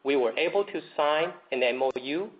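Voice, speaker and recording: A man in the role of a company executive, reading a scripted earnings presentation in a formal, measured way. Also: on the high side, expressive. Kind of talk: scripted earnings call presentation, read aloud. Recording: dull lo-fi conference call audio.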